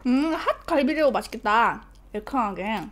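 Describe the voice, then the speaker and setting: A woman's voice: on the high side, lively intonation, moderate pace. A woman in casual chat with her viewers, talking while chewing. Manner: chatty, reads viewer comments aloud. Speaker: mukbang streamer.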